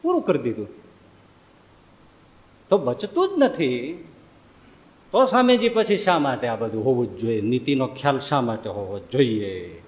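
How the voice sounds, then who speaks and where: A man giving a storytelling sermon, firing off animated rhetorical questions. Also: mid-range voice, unhurried, pauses often. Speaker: spiritual speaker. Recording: echoey hall with long reverb.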